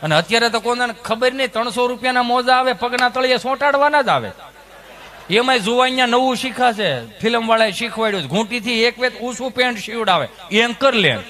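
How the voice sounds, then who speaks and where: Kathiyawadi male comedian with a high voice. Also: animated, fairly quick, pushed and bright, a little hiss or hum. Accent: Kathiyawadi Gujarati. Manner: rambling, anecdotal storytelling. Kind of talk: live folk stand-up storytelling.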